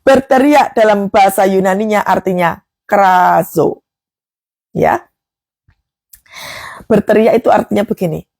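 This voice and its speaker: A woman's voice: medium pitch, measured pace, long pauses, a little mellow, no room sound, studio quality. A woman preaching a devotional sermon, emphatic, with rhetorical questions and acted prayers.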